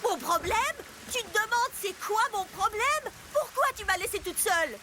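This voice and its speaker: A woman voicing a touchy, quick-tempered teenage girl in a French cartoon dub, complaining indignantly. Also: very high-pitched, lively intonation, noisy background.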